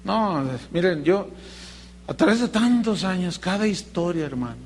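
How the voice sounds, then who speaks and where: Animated preacher, high voice. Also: male voice, normal speed, a little hiss or hum. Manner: animated storytelling, mimics voices in quotes. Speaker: pastor. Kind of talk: sermon with acted anecdotes.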